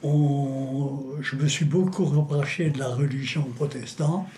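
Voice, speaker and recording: A man at a very slow pace, fairly high in pitch, with fairly even intonation and noticeable background noise. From eastern France, Franche-Comté (near Montbéliard). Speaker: concentration camp survivor. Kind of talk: interview testimony. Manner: halting, many hesitations.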